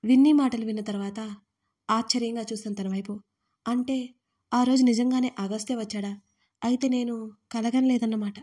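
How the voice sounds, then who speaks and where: A woman telling an audio story in first person, soft, reflective and emotional. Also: fairly high pitch, fairly even intonation, normal speed, pauses often. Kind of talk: scripted first-person narration.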